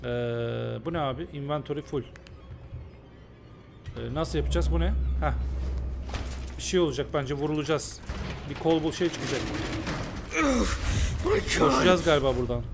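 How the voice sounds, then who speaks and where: A man's voice: on the high side, slight background noise. Ranting Turkish gaming streamer man. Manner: ranting, exasperated, repetitive. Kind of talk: casual live-stream commentary.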